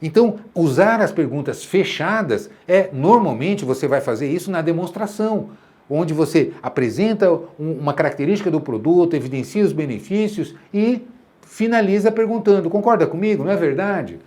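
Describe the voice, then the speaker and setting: Man, middle-aged, Brazilian Portuguese accent, sales trainer, rhetorical, animated pitch, slightly high voice. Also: normal speed. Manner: rhetorical, keeps asking the viewer "não é?". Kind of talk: instructional talk to camera.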